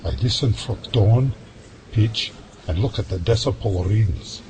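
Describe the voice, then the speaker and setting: A man's voice: lowish voice, a little slow, background noise, lightly acted. A man playing a folksy, seasoned Scottish sound analyst who explains patiently, with a Scottish accent, in an amateur radio drama. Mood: genial.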